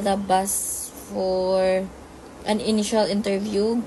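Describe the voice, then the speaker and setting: At a very slow pace, a woman speaks at a medium pitch in a flat, monotone way. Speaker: vlogger. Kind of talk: casual vlog narration. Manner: hesitant, filler-heavy.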